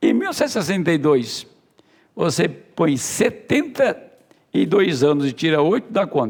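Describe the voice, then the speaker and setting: A man's high-pitched voice with very wide pitch swings, at a fairly slow pace. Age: 70s. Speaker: pastor. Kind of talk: sermon. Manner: halting.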